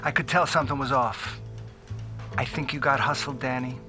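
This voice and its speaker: A man playing a calm, shrewd streetwise computer hacker in an audio drama. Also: medium pitch, moderate pace, lightly acted. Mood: confiding, explaining. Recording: music behind the voice.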